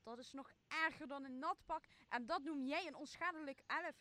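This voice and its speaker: A silly, greedy tippler from a radio comedy of old, played by a woman. The voice is high and whiny, full of comic exclamation. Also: normal speed, bright, forceful tone. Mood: indignant, whining. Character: foolish, greedy drunken companion, whining and easily distracted. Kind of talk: radio play acting of Shakespeare.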